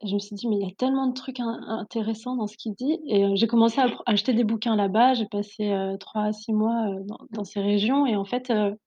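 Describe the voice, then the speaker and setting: Laughing French woman, dark lo-fi sound. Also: mid-range voice, fairly even intonation, fast, hardly any pauses. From France. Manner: laughs often, many fillers and restarts. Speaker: Ayurvedic therapist, guest. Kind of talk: casual interview.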